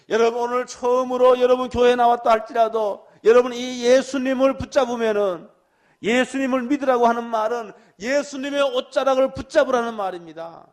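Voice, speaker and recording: A male pastor with a notably high voice delivers an evangelistic sermon at a church service. He pleads earnestly, swinging from emphatic stress to hushed appeals and drawing out repeated phrases.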